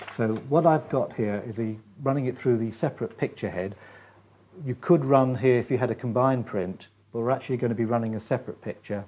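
Speaking very fast, a man with a British accent has a dark, mellow tone, a medium pitch and ordinary pitch variation. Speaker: film transfer technician. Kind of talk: instructional demonstration. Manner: calm, slight lisp.

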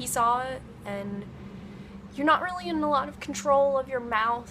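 Noticeable background noise runs under the recording. A woman talks at a fairly slow pace. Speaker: vlogger. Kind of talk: casual vlog chat. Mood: relaxed, candid storytelling. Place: home room. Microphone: webcam.

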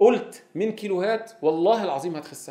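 A man with an Egyptian accent speaks at a high pitch with ordinary pitch variation, heard with audible room echo over a quiet background. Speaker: weight-loss coach. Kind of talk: motivational monologue. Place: home room.

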